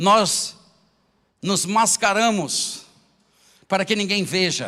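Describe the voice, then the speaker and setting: A man with a high pitch and a bright, sharp tone uses a raised, projected voice, speaking at a very slow pace with fairly even intonation. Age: 60s. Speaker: pastor. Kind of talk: sermon.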